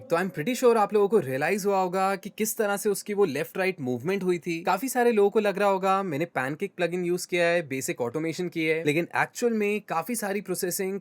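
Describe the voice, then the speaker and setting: A young man with an Indian accent hosts a mixing tutorial. His voice sits high for a man, and he explains things step by step in a conversational way. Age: 20s. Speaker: music mixing tutor and video host. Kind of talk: tutorial explanation, Hindi mixed with English terms. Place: small home studio, indoors.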